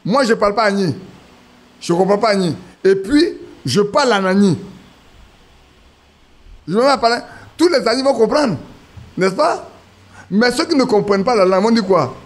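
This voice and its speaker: Male preacher, high-pitched, sermon storyteller. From Ivory Coast. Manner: storytelling with acted quotes, restarts.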